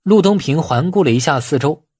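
A man's voice: a little high, animated, a little fast, a little mellow, breathy edge, no echo, clean studio sound. A man reading a novel aloud as scripted audiobook narration.

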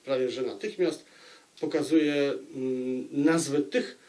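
Male book-review host, medium pitch, very unhurried delivery with dramatic pauses and emphatic repetition. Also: steady tone, darkish tone. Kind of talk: informal spoken book review to viewers.

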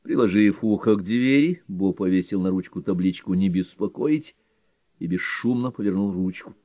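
A man reading a detective novel aloud in an even, measured storytelling manner. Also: sits low, no echo, highs cut off. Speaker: audiobook reader. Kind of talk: scripted narration.

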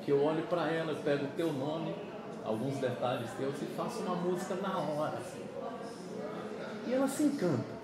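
A man in his fifties from Pernambuco, Brazil, telling stories in a chatty, animated way during an interview, often checking that his listener follows along. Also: fairly high pitch, normal speed, very echoey, a loud crowd, poor audio. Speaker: musician guest. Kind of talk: casual interview. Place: small office meeting room. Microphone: camera across the table.

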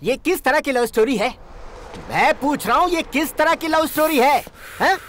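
An actor dubbing a panicky, grumbling young male sidekick in a film, with a shrill, whiny voice. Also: lively intonation, moderate pace, fairly bright tone, slight background noise. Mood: exasperated.

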